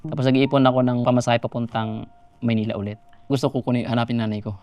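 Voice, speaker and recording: A man from Mindanao in his thirties, a guest in a studio interview, telling his life story in a soft voice that trails off quietly. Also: mid-range voice, flat delivery, fast, clear, resonant tone, faint music behind. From Mindanao, Philippines.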